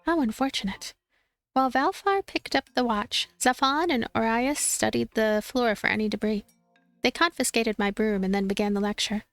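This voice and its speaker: A woman with a fairly high voice narrates a visual novel for a let's play. She reads expressively, like a storyteller, with music playing behind her. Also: normal speed, dry recording. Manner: animated storytelling, acts out dialogue.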